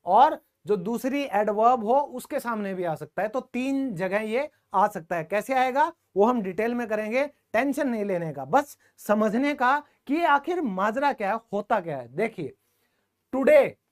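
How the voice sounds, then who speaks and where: A man's voice: high-pitched, animated, measured pace, hardly any pauses. Man, English teacher, live online class, colloquial, jokey, talks straight to students.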